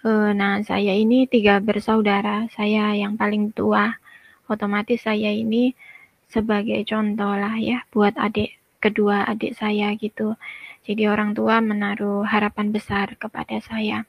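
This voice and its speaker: A woman's voice: mid-range voice, monotone, unhurried, gravelly, no room sound, muffled recording. A woman in her thirties telling her personal testimony in a conversational way, with frequent fillers and direct asides to listeners. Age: 30s. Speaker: testimony guest.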